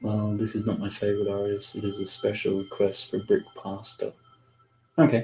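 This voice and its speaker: Background music accompanies a man speaking at a moderate pace. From Australia. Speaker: live artist and streamer. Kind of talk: casual livestream chat while drawing. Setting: livestream.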